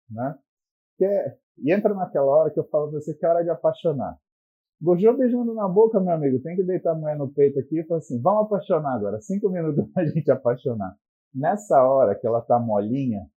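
A Brazilian man with a very dark, mellow and husky voice, talking bluntly and crudely as he hands out relationship advice. His pitch swings a lot as he teases the listener. The recording sounds dull and lo-fi. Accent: Brazilian Portuguese. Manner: profane, blunt, teasing. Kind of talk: crude comic advice monologue.

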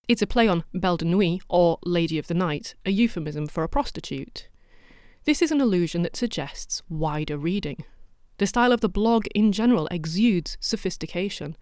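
A woman's voice: lowish voice, a little mellow, dry recording. A woman hosting a podcast, delivering scripted documentary narration with dry, wry asides. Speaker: podcast host.

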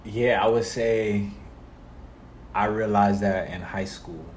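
A young man from South Florida, a guest music artist talking about his life in a relaxed interview, with many fillers. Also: on the low side, takes it slowly, a little hiss or hum. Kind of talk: casual interview conversation.

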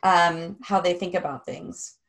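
A woman's voice: fairly low pitch, steady tone, a little slow. A woman hosting an interview, casual and affirming, often chiming in to agree. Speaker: interview host.

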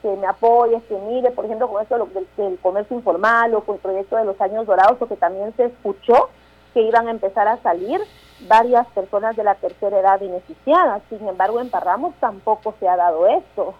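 A Guatemalan woman in her thirties, a town mayor speaking as a radio interview guest, halting with restarts and tag questions. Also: medium pitch, phone-quality sound. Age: 30s.

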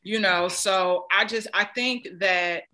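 Lady podcast host, laid back and slangy, bright voice. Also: mid-range voice, takes it slowly, slight background noise. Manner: relaxed, chatty, slangy. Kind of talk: casual podcast interview.

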